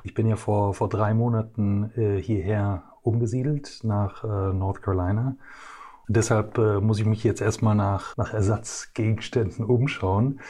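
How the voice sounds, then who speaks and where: Male business guest, fifties, low register, dark soft tone, hesitant off-the-cuff answers. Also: fairly even intonation. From Brussels region, Belgium. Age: 50s. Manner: hesitant, halting, feels for words. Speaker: interview guest, chief executive. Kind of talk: unscripted interview answers.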